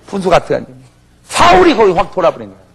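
A man's voice: sits high, quick pace, gravelly, background noise. A man, preaching a humorous revival sermon and acting out the people in his stories. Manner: animated storytelling, acts out characters and shouts. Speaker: pastor.

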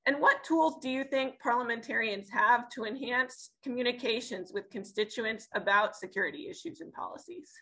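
A woman in her thirties with a bright, fairly high voice moderates an online panel, speaking articulately while filling pauses with "um" and repeated words. She is recorded on a webcam over a video call. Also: expressive, low-quality recording. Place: indoors, in front of a branded backdrop.

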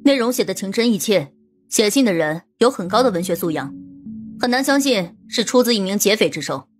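A woman plays a sharp-minded female police leader in a detective audiobook. She reasons aloud deliberately, with lively swings in a mid-pitched voice and faint music behind. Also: natural voice. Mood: questioning.

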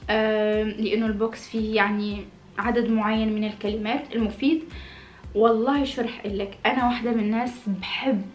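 Talking fast in a fairly high, level-toned voice, a woman in her late twenties casually and expressively answers viewer questions. She sits in a small indoor room with red curtains, and the audio is dull with echo.

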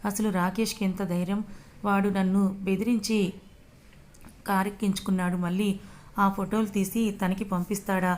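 A woman's voice: mid-range voice, little pitch movement, normal speed, pauses often, darkish tone, natural voice. A woman voicing a hurt, tearful young woman in a read-aloud story, speaking in a pleading way. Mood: upset.

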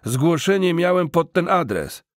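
A man voicing a gruff, curt, scornful repair technician in an audiobook. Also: fairly high pitch, big pitch swings, slow pace, no room sound, clean studio sound, voice pushed up. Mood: curt, reproachful.

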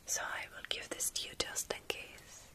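A woman in her thirties playing a motherly, protective vampire mentor in a soothing, breathy whispered ASMR roleplay, with formal phrasing. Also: normal speed, sharp tone, natural voice. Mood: calm, instructive.

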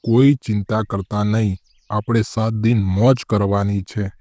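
A man voicing a sly, boastful husband crow in an animated moral story. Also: on the low side, measured pace, no room sound, close to an everyday voice. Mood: eager.

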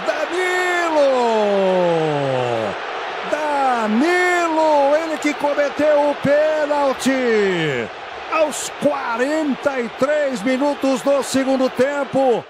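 A man giving explosive football goal commentary with drawn-out shouted calls. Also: extremely high pitch, noisy background. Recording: loud crowd and music behind. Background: stadium crowd, loud music.

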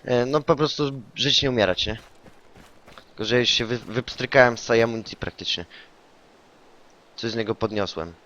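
Male streamer, casual gaming chatter, loud bursts on kills, mid-pitch, lo-fi stream mic. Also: moderate pace, pauses often, slight background noise. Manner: excitable, swears, yells taunts in English on kills. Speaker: game streamer. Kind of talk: casual gaming chat with a teammate.

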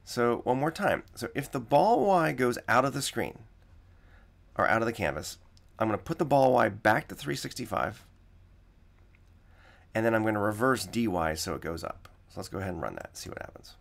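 Raspy-voiced man teaching code step by step. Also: lowish voice, lively intonation, moderate pace. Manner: explains step by step, repeats key points. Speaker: coding teacher. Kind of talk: screen-recorded coding tutorial.

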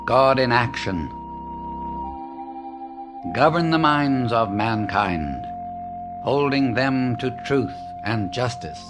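Slow, solemn male audiobook reader. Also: on the low side. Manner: measured, reverent, with long pauses. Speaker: audiobook narrator. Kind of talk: slow, solemn reading of devotional text.

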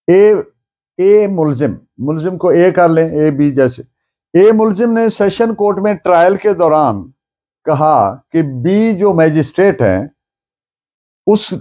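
An older man with a South Asian accent giving a formal, deliberate legal lecture, explaining points with frequent pauses. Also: a little high, dark tone. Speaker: law lecturer. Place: book-lined office or study, indoors.

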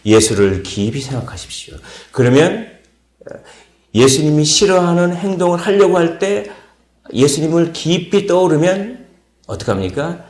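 A man preaching an early morning sermon as pastor, explaining step by step, repeating key words and pausing with fillers. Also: fairly high pitch, big pitch swings, a little mellow, echoey room. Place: church sanctuary.

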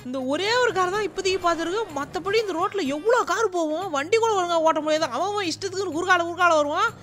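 Animated woman doing comic game role-play narration; bright, sharp voice. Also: very high-pitched, fast, soft background music. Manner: animated, exclaiming, calling out. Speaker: gaming channel narrator.

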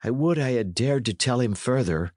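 A man's voice: mid-range voice, expressive, normal speed, darkish tone, dry recording, studio quality, close to an everyday voice. A man voicing a blunt, kindly young adventurer in a storybook, with hearty archaic speech. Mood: earnest, pitying. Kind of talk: storybook character reading.

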